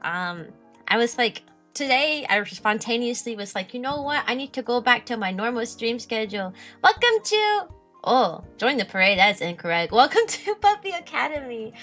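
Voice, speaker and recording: A young woman chats casually on a live stream, reading and answering her viewers' messages. Her voice is high-pitched and very bright, and she giggles often. Faint music plays softly behind her. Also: big pitch swings, moderate pace. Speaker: VTuber streamer.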